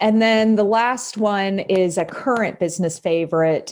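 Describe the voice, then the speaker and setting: Speaking fairly slowly with an American accent, a woman uses an ordinary speaking voice with ordinary pitch variation. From Texas, Austin. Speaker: realtor. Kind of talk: interview.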